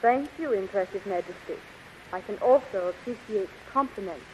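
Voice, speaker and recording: An actress playing an earnest, emotional young heroine in a melodramatic 1930s radio adventure, on a muffled recording with hiss. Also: female voice, medium pitch, normal speed, warm tone, lightly acted. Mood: coy, flattering. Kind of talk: 1930s radio serial acting.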